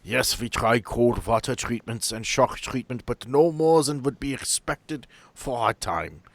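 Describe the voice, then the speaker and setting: A man voicing a measured, detached male asylum doctor who talks in a formal, precise way. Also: medium pitch, gravelly, no echo. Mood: coolly formal.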